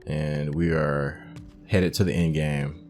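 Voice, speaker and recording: Very deep-voiced man commenting on gameplay. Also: fairly even intonation, slow pace, darkish tone, soft background music. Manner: enthusiastic, slangy. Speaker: gaming channel host. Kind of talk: casual playthrough commentary.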